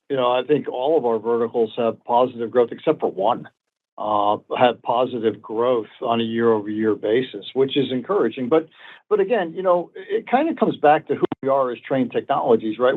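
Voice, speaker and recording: A man, a company executive, answering analysts on an earnings call in a confident, emphatic way, repeating points for emphasis. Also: mid-range voice. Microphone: phone conference call. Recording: tinny narrowband phone conference line.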